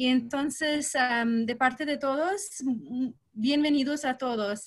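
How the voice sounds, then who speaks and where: A high-pitched woman with a non-native accent, speaking at a very slow pace with ordinary pitch variation. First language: not Spanish (speaking Spanish). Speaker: webinar moderator for a global early childhood network. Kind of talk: webinar welcome and housekeeping. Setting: online webinar. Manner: halting, many fillers.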